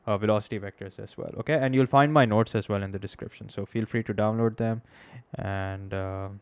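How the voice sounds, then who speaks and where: A man's voice: fairly low pitch, steady tone, brisk, smooth, no room sound. A young man with a Pakistani accent gives an informal live-streamed maths lesson as the teacher, conversational and often checking in with his listeners. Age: young adult. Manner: conversational, checks in with "okay?", slips between English and Urdu. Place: small indoor room at a desk. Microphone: close microphone on a boom arm.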